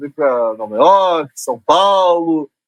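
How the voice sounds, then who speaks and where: The delivery is very slow. Pitch swings very widely throughout. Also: man. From Curitiba, southern Brazil. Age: 40s. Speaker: columnist and writer. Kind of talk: casual interview.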